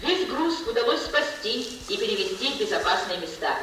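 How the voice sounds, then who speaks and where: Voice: medium pitch, very animated, normal speed, crowd noise, close to an everyday voice. An actor playing a formal radio announcer reading the news in a solemn, declamatory way, heard as a broadcast inside the scene. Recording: distant echoey radio broadcast with noise.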